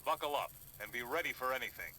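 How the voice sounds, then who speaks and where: An actor playing a commanding, earnest superhero team leader in a video game, giving an authoritative briefing. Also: male voice, medium pitch, lively intonation, quick pace, pushed and bright, slight background noise, low-quality recording. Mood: urgent, resolute. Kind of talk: video game cutscene acting.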